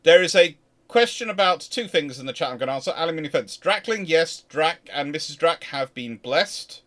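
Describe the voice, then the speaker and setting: A British host answers viewer questions on a casual history livestream, his delivery rambling, emphatic and prone to self-interruption. His voice sits on the high side, a bit bright, with lively intonation at a moderate pace.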